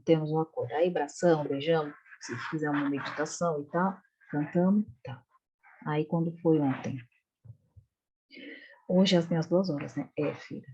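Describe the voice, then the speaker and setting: Middle-aged woman, group leader, low and mellow, lively storyteller. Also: lo-fi sound, a little hiss or hum. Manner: animated storytelling, acts out the dialogue she retells. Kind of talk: casual chat in an online study group.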